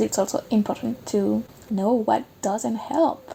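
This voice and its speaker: A woman speaks at a fairly slow pace in a French accent, her pitch medium. Her tone is dark and mellow, and somewhat breathy. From France. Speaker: podcast host. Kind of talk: podcast monologue. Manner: animated.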